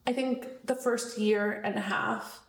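A woman's voice: medium pitch, steady tone, a little slow. A young adult woman, a business owner, talking candidly in a casual interview, laughing easily and filling with likes and ums. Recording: echoey room.

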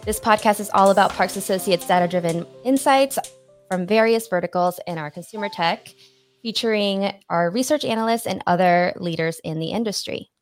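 A woman's voice: medium pitch, moderate pace, faint music behind. A woman co-hosting a podcast, upbeat and welcoming, with a few small slips as she introduces the topic. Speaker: podcast co-host.

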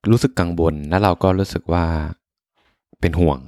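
A soft-spoken man hosting a podcast, telling personal stories as unhurried, reflective bedtime pillow talk. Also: deep voice, dry recording, studio quality. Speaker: podcast host.

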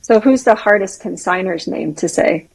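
A woman's voice: mid-range voice, lively intonation, moderate pace, creaky, a little mellow, breathy edge, poor audio. A woman co-hosting a podcast in an easygoing, agreeable way. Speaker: podcast co-host. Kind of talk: casual podcast interview.

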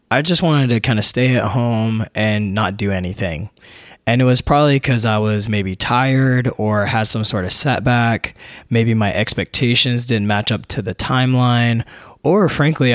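A young man hosting a podcast, hoarse from a recent illness, talking earnestly and encouragingly straight to his listeners. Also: lowish voice, dry recording, clean studio sound. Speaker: podcast host, physical therapist. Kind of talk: casual motivational monologue.

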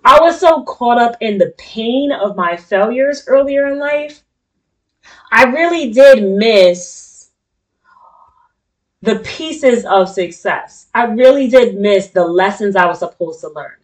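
A woman's voice: a little high, animated, slow pace, rough recording. African American woman hosting a candid talk. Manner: informal, candid, conversational and slangy. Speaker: talk show host. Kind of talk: casual personal monologue to an audience.

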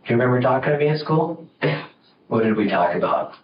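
A male police officer gently coaxing a teen, heard on old interrogation tape footage from an interrogation room. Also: mid-range voice, animated, fairly quick. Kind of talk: interrogation talk. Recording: roomy, distant, dull, noisy interrogation tape.

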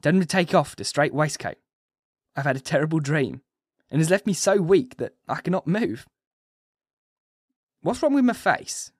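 Guy doing a high strained dying patient, feverish and begging, dry close sound. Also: lively intonation, normal speed, dry recording. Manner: urgent, strained pleading. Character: dying male asylum patient, frantic and feverish.

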